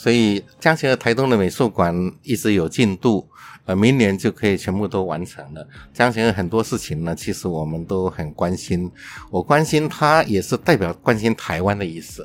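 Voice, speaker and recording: A man talks in an ordinary speaking voice, pitched fairly low. His intonation is lively and his pace moderate. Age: 60s. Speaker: art collector and property developer. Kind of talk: interview.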